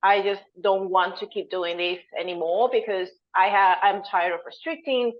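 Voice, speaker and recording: A woman's voice: medium pitch, steady tone, normal speed. Woman explaining with care, muffled audio. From Venezuela. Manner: earnest, explanatory, searching for words. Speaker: dietitian guest. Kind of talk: conversational interview answer.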